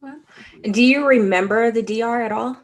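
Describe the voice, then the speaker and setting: A woman's voice: fairly high pitch, normal speed. A woman hosting an interview podcast, upbeat and friendly, asking questions in a casual way. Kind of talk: scripted intro, then casual interview.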